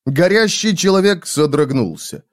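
A man's voice: on the high side, very animated, normal speed. A man giving a dramatic, intense audiobook narration. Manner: theatrical, intense delivery.

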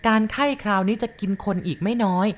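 A frightened young village woman in a storybook reading, voiced by a woman. She speaks a bit higher and louder than the narration. Her talk comes in agitated bursts. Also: fairly even intonation, quick pace, lightly acted.

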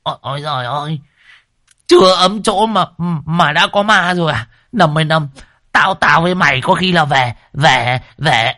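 A man's voice: on the high side, moderate pace, pushed and bright, no room sound, studio quality, voice pushed up. A man voicing a cowardly old man who yelps and stammers in fright. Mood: panicked. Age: older.

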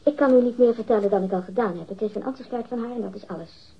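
An actress playing a defensive, haughty young librarian under questioning in a radio drama, curt and bitterly sarcastic. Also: female voice, on the high side, fast talker, slightly rough, dull audio. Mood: guarded, irritated.

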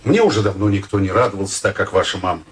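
An actor playing a cheeky, clinging middle-aged suitor in a radio play, mock-polite, ironic and theatrical. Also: male voice, sits low, expressive, fast talker, a little hiss or hum. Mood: offended, wheedling.

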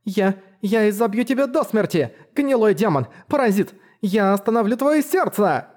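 A woman's voice: fairly low pitch, animated, normal speed, a little mellow, pitched above the performer's own voice, lightly acted. A man voicing a shy, timid young female apprentice warrior who hesitates and stammers. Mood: shouting.

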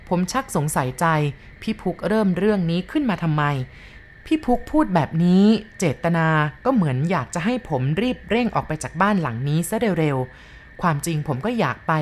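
Woman, ghost story narration, dramatic, hushed, lowish voice. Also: slight background noise.

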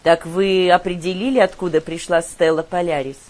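A woman reading the lines of a friendly, trusting young woman in an audiobook, with a lively, eager manner. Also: lowish voice, moderate pace, close to an everyday voice. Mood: amused.

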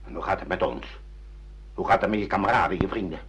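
Very raspy, low-voiced stern old father. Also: fast talker, fairly bright tone, full character voice. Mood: probing. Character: stern older father, pragmatic apologist for the system. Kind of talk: Dutch radio play acting. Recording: dull lo-fi radio play recording.

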